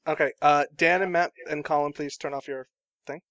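A man acting as game master, briskly organizing players over an online call. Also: fairly high pitch, steady tone, a bit bright, dry recording, muffled recording.

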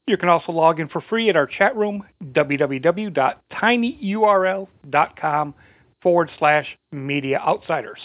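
A hoarse man hosting a casual call-in talk show, chatty and rambling. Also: on the high side, lively intonation, moderate pace, no echo. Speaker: podcast host. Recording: tinny phone-like line.

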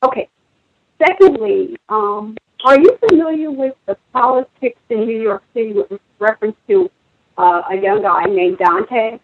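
A woman's voice: a little high, measured pace, slightly rough, dry recording, narrow, tinny audio. A woman calling in to a radio show, asking direct, probing questions. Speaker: caller. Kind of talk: call-in question.

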